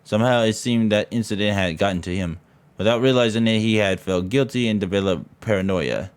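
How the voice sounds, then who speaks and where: Reading fairly quickly in a clean, fairly low voice, a streamer narrates a visual novel's ghost story for dramatic effect. He stumbles over lines and veers into casual, profane asides, all against loud game music.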